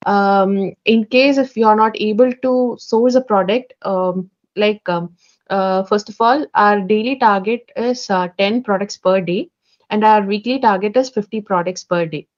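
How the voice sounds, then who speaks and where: A woman's voice: mid-range voice, unhurried. Woman leading a video-call training, hesitant. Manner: hesitant, many fillers, polite. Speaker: team lead running intern onboarding. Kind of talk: online meeting, training briefing. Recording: dull lo-fi call audio.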